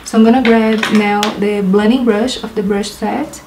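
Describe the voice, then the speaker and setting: A young Brazilian beauty vlogger with a Brazilian Portuguese accent walks through a makeup tutorial in her big-city apartment, describing each step and laughing often. Her mid-range voice holds a steady tone at normal speed. The recording is reverberant, with background noise.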